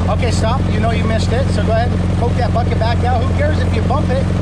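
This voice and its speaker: The speaker talks at a fairly quick pace against loud background noise. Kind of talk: instructions / coaching. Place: farm machine. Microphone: phone near.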